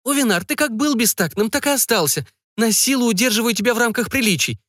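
Guy doing a high fussy mom, nags and frets, swoopy voice, dry sound. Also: lively intonation, quick pace, bright, forceful tone, no echo, full character voice. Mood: fretful. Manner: fretful, breathless questioning. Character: fussy excitable middle-aged mother.

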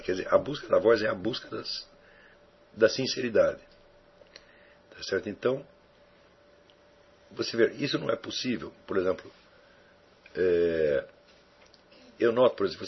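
Male lecturer, low raspy voice, reflective and digressive, muffled recording. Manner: rambling, reflective, with frequent tag questions. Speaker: philosophy teacher. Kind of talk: lecture answering student questions. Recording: dull lo-fi recording.

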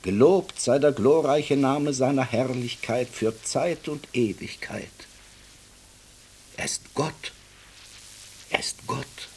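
Guy acting devout jewish seeker in a radio play, slow and swinging between fervor and whispers, bit of hiss. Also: mid-range voice, a little mellow, close to an everyday voice. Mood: fervent. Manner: fervent, halting, dropping to a whisper. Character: devout, impassioned Jewish man, humble seeker of God.

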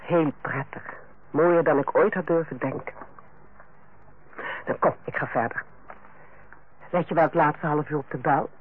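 An actress playing a stern, lonely older head nurse in a Dutch radio play, formal and reserved in manner. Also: female voice, low voice, a little slow, pauses often. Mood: brisk, friendly. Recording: tinny, band-limited old radio recording, faint noise.

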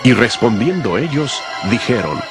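A man's voice: mid-range voice, very animated, moderate pace. A man narrating scripture from a script in a solemn style, as part of a dramatized audio Bible. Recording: music behind the voice.

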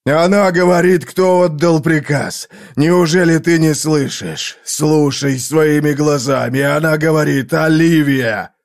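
A maddened burning man cries out in a loud, rough, dragged-out voice, as a male reader puts him on. He sounds unhinged and sharp. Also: medium pitch. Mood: frantic. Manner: loud, frantic, drawn-out shouting. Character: deranged burning man, pained by light and sound.

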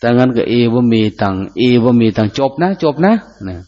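A man's voice: mid-range voice, animated, normal speed. An older man, a Buddhist monk, giving a dhamma talk where he chants Pali phrases and then explains them plainly. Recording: muffled lo-fi recording.

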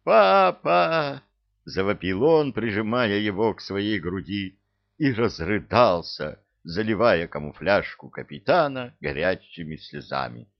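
A man reading a story aloud in an expressive audiobook narration. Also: on the low side, measured pace, gravelly. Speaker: audiobook reader. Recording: dull lo-fi audio.

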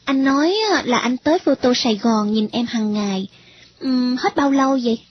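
A woman's voice: fairly high pitch, moderate pace, lightly acted. A woman voicing an affectionate, playful young wife, coaxing and teasing. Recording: dull lo-fi recording.

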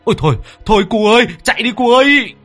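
A man's voice: lively intonation, fast, fairly bright tone, soft background music. A man doing a shrieking panicked builder. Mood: panicked wail. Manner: shrill frantic wailing. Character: panicked middle-aged male builder.

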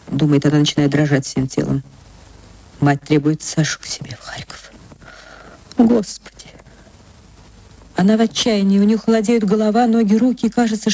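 A woman narrating a classic short story for an archive radio reading in a tender, unhurried way, slowing down at reflective passages. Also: medium pitch, mellow, low-quality recording.

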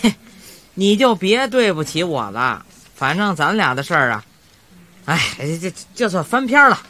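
An actor playing a sulky, teasing young grandson with a Beijing accent in a radio drama over background music. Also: male voice, high voice, sing-song, normal speed, sharp tone, heavily acted. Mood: impatient. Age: young adult. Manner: teasing, offhand.

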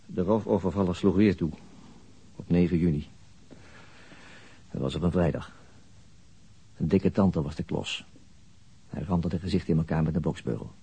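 An actor playing a weary, brooding middle-aged police detective in a radio drama, restrained and husky. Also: male voice, low voice, normal speed, long pauses, warm tone, full character voice. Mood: weary, resigned. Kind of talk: radio drama dialogue and inner narration.

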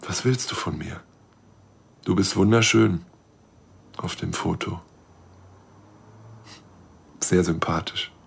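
An actor playing a lonely, lovestruck astronomer who muses to himself in a gravelly, husky voice in a radio drama. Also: male voice, sits low, slow, long pauses, full character voice. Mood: brooding, wary. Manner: brooding, musing to himself. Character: lonely, lovestruck male astronomer, wary but yearning. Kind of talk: radio drama inner monologue.

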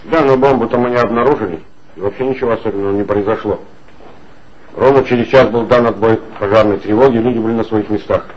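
An actor playing a calm, terse police commissioner in a 1960s radio play, speaking matter-of-factly. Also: male voice, on the low side, fast, highs cut off, lightly acted.

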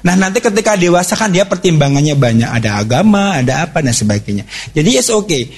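A man giving a parenting seminar to mothers, telling family stories in a lively, conversational way and speaking straight to his audience. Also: on the high side, quick pace, slightly rough. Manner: lively storytelling, acts out family dialogue; conversational, addresses audience directly.

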